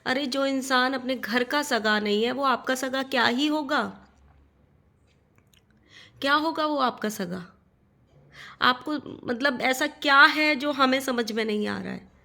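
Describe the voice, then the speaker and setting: Woman, middle-aged, vlog rant, indignant, rhetorical questions, bright tense tone. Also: sits high, measured pace, creaky, long pauses. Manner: indignant, rhetorical questions, repeats phrases for emphasis. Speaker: vlogger. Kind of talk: ranting vlog addressed to another creator.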